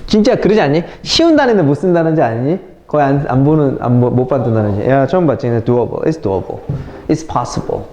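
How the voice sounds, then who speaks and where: A middle-aged man gives a lively classroom lecture on English vocabulary, sprinkling English phrases into his explanations and addressing his students as kids. He talks fairly quickly in a mid-range voice. The classroom sounds echoey, with faint background noise.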